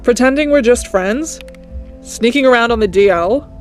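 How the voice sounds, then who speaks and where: A man's voice: very high voice, normal speed, faint music behind. A man playing a sassy, proud Latina teen girl. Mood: frustrated. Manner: frustrated, earnest.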